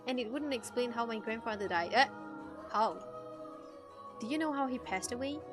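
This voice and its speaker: A woman streamer reading a visual novel aloud and reacting in an animated, teasing way, swearing freely. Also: on the high side, normal speed. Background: music.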